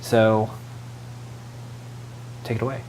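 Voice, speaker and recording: A man's voice: fairly low pitch, level tone, takes it slowly, crowd noise. A man co-hosting a show in casual chat, rambling along with many fillers and side remarks. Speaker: show co-host.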